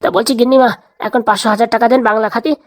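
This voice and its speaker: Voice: medium pitch, steady tone, racing, natural voice. A performer voicing a boastful, greedy, hard-drinking hired thug in a comedy cartoon, swaggering and wheedling.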